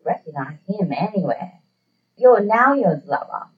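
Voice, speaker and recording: A woman's voice: medium pitch, animated, unhurried, recorded from a distance, lo-fi sound, lightly acted. A woman voicing a laid-back Aboriginal Australian man who talks in a blunt, kindly, matey way for an audio story. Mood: calm, knowing.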